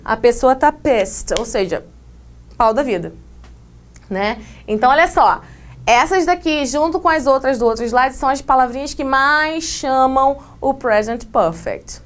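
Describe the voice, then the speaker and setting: A woman with a bright, high voice and a Brazilian Portuguese accent teaches an English grammar lesson to camera. She explains in a lively, chatty way and drops in playful asides. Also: unhurried. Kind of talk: classroom video lesson.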